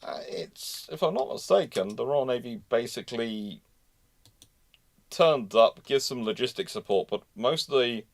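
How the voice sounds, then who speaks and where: A man's voice: medium pitch, expressive, measured pace, vocal fry. Man thinking aloud as live host. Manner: discursive, repeats phrases while searching for words. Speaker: host of a live naval history question session.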